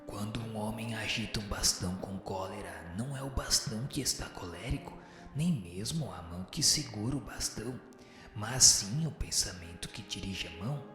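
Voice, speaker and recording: A man's voice: fairly low pitch, lightly acted. A man playing an echoing, solemn spirit teacher. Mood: firm, didactic. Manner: formal, didactic, measured. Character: solemn wise male spirit teacher answering questions. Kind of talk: radio drama dialogue. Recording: reverberant echoing hall, music underneath. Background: music.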